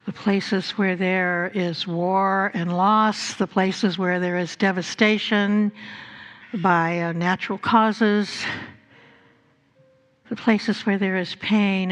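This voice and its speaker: A woman pastor leading a guided prayer at a church service, speaking in measured phrases with long pauses between them. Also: medium pitch, steady tone, soft background music. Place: church service before a congregation.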